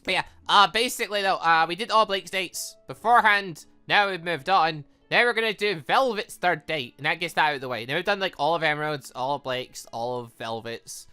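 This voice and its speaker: A man hosting a game playthrough, rambling casually and excitably as he thinks aloud and drifts off on tangents. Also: on the high side, fairly quick, hardly any pauses, clear, resonant tone, faint music behind. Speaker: host of a game playthrough series. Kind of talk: casual rambling gaming commentary.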